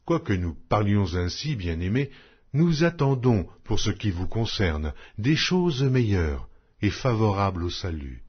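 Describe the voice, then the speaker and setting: A man reading scripture aloud as an audiobook, in a solemn, measured, declamatory way. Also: fairly low pitch, sing-song, slightly rough, muffled recording. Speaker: audiobook Bible reader.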